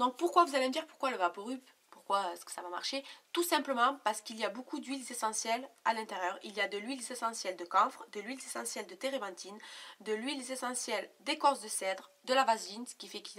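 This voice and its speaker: Fairly quick delivery with big swings in loudness and ordinary pitch variation. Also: woman, fairly high pitch for a woman. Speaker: beauty vlogger. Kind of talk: tutorial. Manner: fast.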